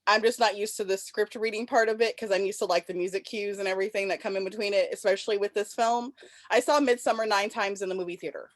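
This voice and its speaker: A woman's voice: medium pitch, fairly even intonation, fast. A woman chatting casually and informally on a video call, as an amateur actor before a script reading. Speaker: amateur actor in a virtual table read. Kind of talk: casual chat.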